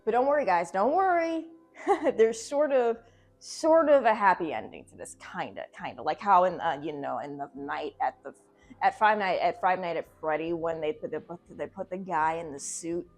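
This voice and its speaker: A woman's voice: lowish voice, animated, normal speed, a bit bright. A woman doing casual, joking video commentary, sarcastic, irreverent and profane, with a theatrical streak. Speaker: video essay host. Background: background music.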